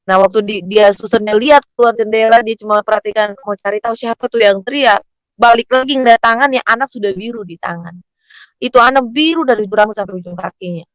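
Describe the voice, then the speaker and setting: A man's voice: sits high, dry recording, rough recording. Dry-sounding man telling a testimony. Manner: conversational, storytelling with acted quotes. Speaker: pastor. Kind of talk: testimony storytelling sermon.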